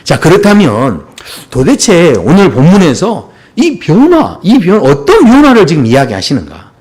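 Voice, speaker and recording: A man's voice: on the high side, wildly swooping pitch, moderate pace, darkish tone, breathy edge. A male pastor preaching a Sunday sermon in a conversational, humorous way, often dropping in short asides to the congregation.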